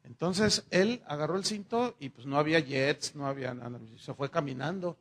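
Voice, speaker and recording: A middle-aged Mexican pastor delivers a sermon in a relaxed, conversational way. He voices both sides of the conversations in his stories. His voice sits high for a man and carries a gravelly rasp. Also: normal speed. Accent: Mexican Spanish. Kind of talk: sermon with personal storytelling.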